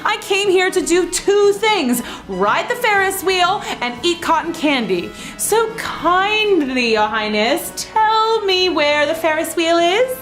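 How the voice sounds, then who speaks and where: A woman tells a children's story as its girlish heroine. Her voice is high and perky, swinging in pitch with exaggerated expression, with music clearly underneath. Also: big pitch swings, slow pace, hardly any pauses, a bit bright. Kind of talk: animated first-person storybook narration, playing a young girl.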